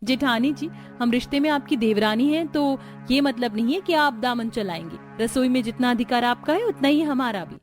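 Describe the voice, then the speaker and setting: Brief: woman as an earnest, assertive young bride, slightly high voice. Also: animated, moderate pace, hardly any pauses, faint music behind, close to an everyday voice. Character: modest young bride, firm and outspoken.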